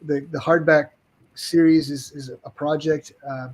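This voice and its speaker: A man talking as an interview guest about his game products, halting and restarting often. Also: on the high side, fairly even intonation, rough recording. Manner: halting, restarts with many ums and uhs. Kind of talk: casual interview chat.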